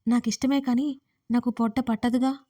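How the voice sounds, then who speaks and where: Casual: playful young heroine teasing her guy, woman reading it, highish mellow voice. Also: flat delivery, moderate pace, lightly acted.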